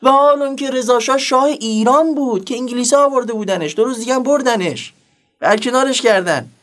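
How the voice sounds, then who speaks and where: A male preacher giving a sermon, formal and earnest, moving between strong emphasis and soft, quiet asides. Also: very high-pitched.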